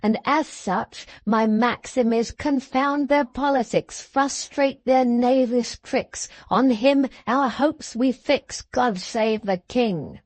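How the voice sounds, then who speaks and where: A woman voicing a brisk, blunt, loyal middle-aged Englishwoman servant in a storybook, emphatic and forthright. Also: on the high side, no echo, voice pushed up. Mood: emphatically patriotic.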